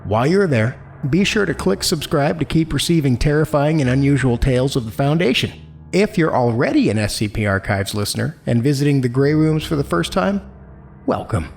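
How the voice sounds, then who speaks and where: Expressive man introducing a horror podcast. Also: mid-range voice, brisk, gravelly. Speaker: podcast host and announcer. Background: music.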